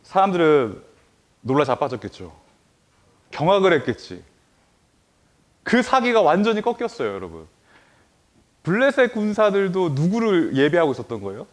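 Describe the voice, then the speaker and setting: An animated male pastor preaching a children's sermon, speaking straight to his listeners with question after question. His voice sits fairly high and swings widely in pitch, often dropping to a soft hush at the end of a phrase. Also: normal speed, pauses often. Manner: animated, many rhetorical questions, addresses listeners directly; trails off softly at phrase ends.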